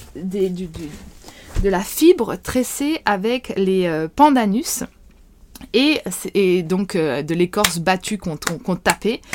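Very wide pitch swings mark this very slow delivery, broken by long, frequent pauses. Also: woman. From New Caledonia. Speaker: podcast host, yoga teacher. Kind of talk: storytelling podcast. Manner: casual, with filler hesitations.

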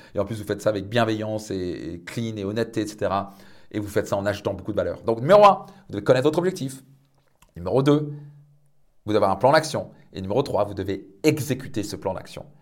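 Delivered at a very fast pace in an energetic tone, the speech is broken by long, frequent pauses. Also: man, fairly low pitch for a man, lively intonation. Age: 40s. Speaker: podcast host, business coach. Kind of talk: motivational monologue.

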